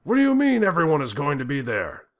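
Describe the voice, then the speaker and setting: A man voicing a furious, foul-mouthed male president who shouts and swears. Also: a little high, huge pitch swings, fast, voice pushed up. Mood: raging. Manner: shouting, cursing.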